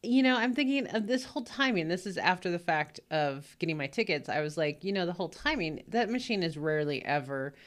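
Her voice is low and has a morning roughness as she rambles through a casual story on her podcast, laughing and using fillers often. She is expressive, speaks a little fast, and barely pauses.

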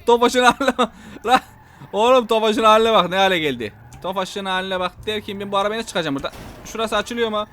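A young man giving excited gameplay commentary, shouting exclamations, repeating his lines and laughing often as he plays. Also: high voice, brisk. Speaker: gameplay streamer.

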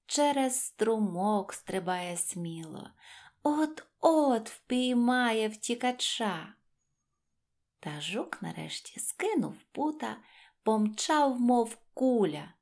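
Relaxed woman reading a children's verse tale. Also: medium pitch. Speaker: storyteller. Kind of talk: expressive children's verse narration. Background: faint music.

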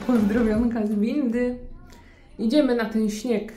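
A Polish vlogger in her thirties walks through snowy city streets under an umbrella, phone held at arm's length, chatting in a casual, playful, self-ironic way. Her voice sits on the high side with fairly even intonation and an unhurried pace. Music plays in the background, along with faint street noise and passing cars.

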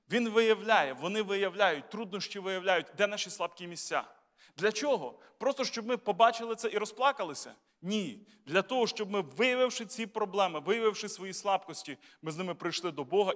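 A bishop preaching a sermon in a church, talking to the congregation in a conversational, lightly humorous way with many rhetorical questions. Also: male voice, high voice, fairly bright tone. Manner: lightly humorous, tells jokes. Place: church sanctuary. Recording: long church reverb.

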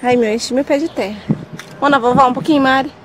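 A woman's voice: high voice, fast, poor audio. Young woman, Brazilian accent, casual farm vlog, chatty, points things out, faint outdoor noise. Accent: Brazilian Portuguese. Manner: chatty, addresses viewers often, points things out. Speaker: vlogger. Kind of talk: casual vlog chat to viewers. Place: outdoors in a vegetable garden on a farm.

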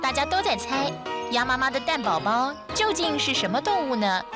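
A woman's voice: high voice, sing-song, normal speed, over loud music. A woman narrating a scripted story for children as a storyteller.

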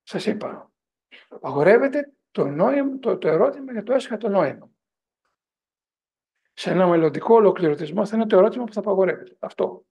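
A middle-aged priest and professor lecturing a parents' group in a digressive style, often asking the audience whether they agree. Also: male voice, sits high, long pauses, husky, muffled recording. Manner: animated, digressive storytelling.

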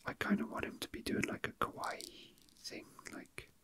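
A man hosts ASMR in a soft whisper with a very bright, airy edge. He rambles casually and hesitantly, as if thinking aloud to himself. The delivery is breathy and close-up throughout. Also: moderate pace. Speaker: ASMR host.

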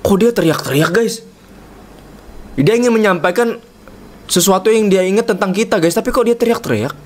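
An Indonesian man who streams games chats playfully through casual live commentary, constantly addressing his viewers. He speaks at a moderate pace in a high-sitting, darkish voice, with a little hiss or hum in the audio.

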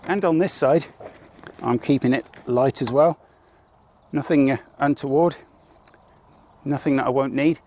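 A man's voice: medium pitch, a little slow, pauses often, a little mellow, a little hiss or hum. An older man on a lapel radio mic, talking casually and wryly outdoors at a campsite as he shows off his motorcycle kit. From Britain. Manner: chatty, wry, with self-deprecating jokes. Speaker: motorcycle travel vlogger. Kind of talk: casual vlog, mock advert at the start. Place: outdoors at a campsite car park.

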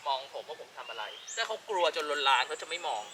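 A man working as a dog trainer, quickly coaching owners through a training session outdoors. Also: a little high, very animated, far from the mic, noisy background. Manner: quick, instructive, talks directly to the owners.

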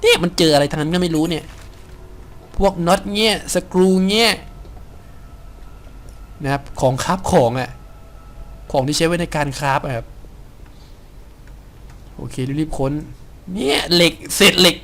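A young man giving excitable Let's Play commentary, often exclaiming and laughing as he plays. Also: fairly high pitch, measured pace, pauses often. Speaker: game streamer.

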